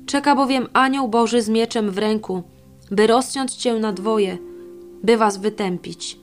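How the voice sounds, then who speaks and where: A woman reading the lines of a bold young man who judges and accuses, in a stern, even way. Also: fairly high pitch, a little slow, soft background music, close to an everyday voice.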